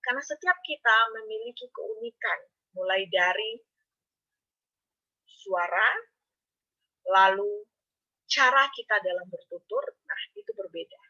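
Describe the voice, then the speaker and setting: Woman lecturer, bright voice, talks students through it step by step, slightly muffled recording. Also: medium pitch, expressive, unhurried, long pauses. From Indonesia. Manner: explains step by step, addresses students directly. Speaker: university lecturer. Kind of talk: online lecture.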